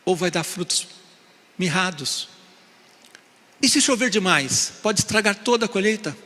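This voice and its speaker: A man's voice: sits high, animated, a little slow, pushed and bright, in a large hall. A man preaching a sermon to his congregation as pastor, asking rhetorical questions and often calling for an "amém". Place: church sanctuary.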